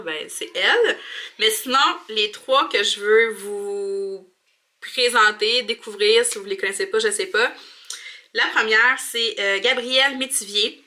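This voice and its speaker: Bright-voiced Quebec woman chatting casually. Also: medium pitch. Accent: Quebec French. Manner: informal, colloquial, chatty. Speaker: mom vlogger. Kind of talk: casual vlog chat to camera. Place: home bathroom.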